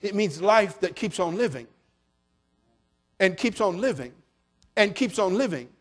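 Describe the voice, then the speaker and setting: A middle-aged man preaching a sermon as pastor, folksy and joking, building up to shouted passages. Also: high voice, animated, a little slow.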